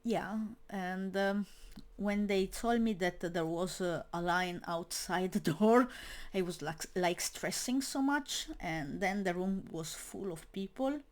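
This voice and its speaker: A young woman talks through her year in a loose, unscripted monologue, in English that is not her first language. She goes at a slow pace and leans heavily on fillers, often restarting a phrase before finishing it. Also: medium pitch. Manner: hesitant, many fillers and restarts; non-native English speaker. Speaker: metal media creator. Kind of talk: casual spoken monologue.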